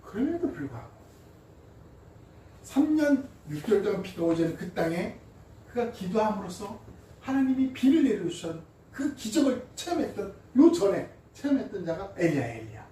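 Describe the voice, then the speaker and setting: A man preaching a sermon as pastor, with emphatic loud stresses and soft drops. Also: sits high, very animated, normal speed. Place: church sanctuary. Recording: echoey church hall, voice from a distance, faint noise.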